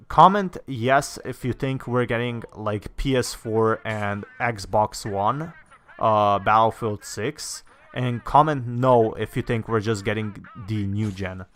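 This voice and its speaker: A man's voice: medium pitch, a bit bright. A young man from Slovenia, chatting casually on a gaming livestream and answering viewer comments, rambling with lots of fillers and repeated words. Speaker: gaming streamer.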